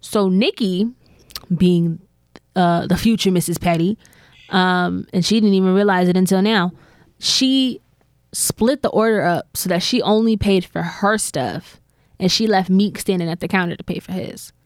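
A woman's voice: fairly low pitch, dry recording, clean studio sound. A woman co-hosting a podcast, retelling gossip in a chatty, meandering way full of fillers. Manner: chatty storyteller, drawn-out filler-laden retelling. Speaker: podcast co-host. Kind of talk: casual gossip chat.

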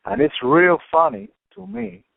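A man talks in animated casual chat, his pitch swooping up and down through a gravelly voice. The sound is dry and narrow, like a phone line. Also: a little slow, dry recording. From Cuba. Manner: animated storytelling, swearing, many fillers.

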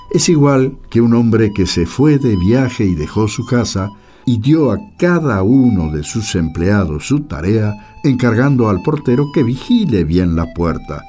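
A man's voice: on the low side, warm tone. A man narrating and reading scripture from a script. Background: music.

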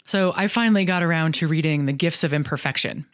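A woman's voice: deep voice, fast, no room sound, studio quality. A middle-aged woman hosting a solo podcast, talking through book reviews in a candid, chatty way with some self-deprecating humor. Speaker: podcast host and coach.

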